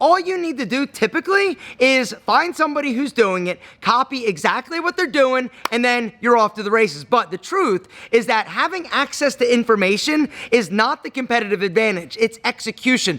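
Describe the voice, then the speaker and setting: Raised and projected, a man's extremely high voice swings very widely in pitch, energetic in tone and fairly quick in pace. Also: dry, close sound with no echo. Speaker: men's style YouTuber and entrepreneur. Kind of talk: casual vlog talk to camera. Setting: walking through a warehouse. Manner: loud.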